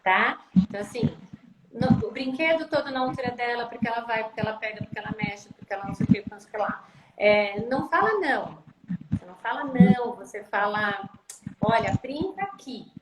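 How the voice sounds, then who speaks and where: A female speech therapist talks about parenting on a live stream over a video call, her voice a little high and fast. She is emphatic, repeating phrases for stress. The room is echoey, with loud background noise.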